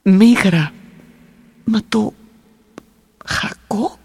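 An actress in a radio drama playing a lonely, grieving Mennonite woman, speaking in short broken fragments with a gravelly voice. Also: mid-range voice, darkish tone, no echo, exaggerated voice. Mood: anguished, crying out. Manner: very slow, halting, third-person speech in short fragments. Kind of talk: radio drama monologue in broken, telegraphic sentences.

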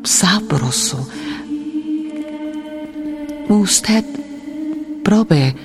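Slow, halting foreign immigrant woman. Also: on the low side, lively intonation, music in the background, full character voice. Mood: patient, instructive. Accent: foreign accent in Spanish. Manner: halting broken Spanish, short phrases, frequent searching hums. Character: slow, halting immigrant woman explaining recipes and family troubles. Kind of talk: radio drama monologue.

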